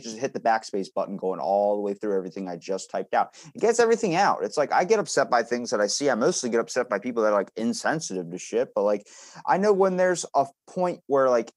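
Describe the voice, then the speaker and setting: A man hosting a podcast, chatting casually and bluntly with loose, sweary, conversational delivery. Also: medium pitch. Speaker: podcast host.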